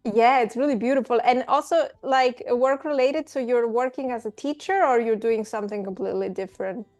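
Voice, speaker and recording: A woman hosting an interview about language learning, friendly and animated, chatting casually with her guest. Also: on the high side, fairly quick, soft background music. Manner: friendly, animated, laughs easily. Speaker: host.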